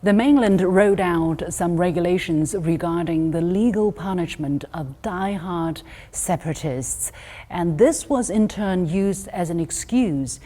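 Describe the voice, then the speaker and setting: A woman interviewer asking formal, measured questions. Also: lowish voice, warm tone. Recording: reverberant room.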